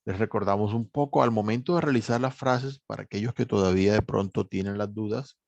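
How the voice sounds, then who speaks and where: Male teacher, gravelly voice, dry close sound, measured lecture. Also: fairly low pitch, a little mellow, dry recording, lo-fi sound. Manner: measured, repeats reminders, many fillers like "obviamente". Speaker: English teacher. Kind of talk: online course lecture.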